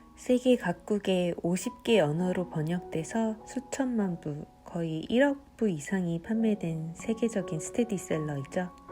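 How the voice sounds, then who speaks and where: A woman speaking very slowly with hardly any pauses and lively intonation, music in the background. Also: medium pitch for a woman. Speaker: audiobook reader. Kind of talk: casual book introduction to camera. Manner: soft, ASMR-style.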